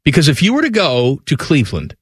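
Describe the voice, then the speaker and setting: A man's voice: a little high, wildly swooping pitch, fairly quick, breathy edge, no room sound. A man co-hosting a sports radio show in a studio, talking in an opinionated, jokey way. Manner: opinionated, jokey, slips into mocking voices. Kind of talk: casual sports radio chat.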